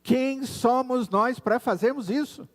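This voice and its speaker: A man with a Brazilian Portuguese accent preaching a sermon in a church, earnest and slowing down to stress key words. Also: extremely high pitch, long reverb tail. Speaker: pastor. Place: church sanctuary.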